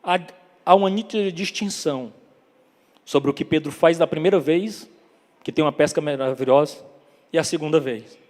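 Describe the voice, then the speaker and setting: A man with a northeastern Brazilian accent preaching a sermon, telling the story dramatically, acting out dialogue and building to loud climaxes. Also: fairly high pitch, moderate pace, long pauses. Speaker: evangelist preacher. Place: church hall. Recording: long church reverb.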